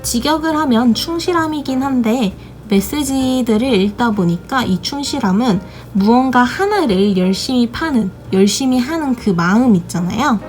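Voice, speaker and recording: A woman with a voice gone hoarse from a sore throat, calmly explaining the meanings of tarot cards for a study video. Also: a little high.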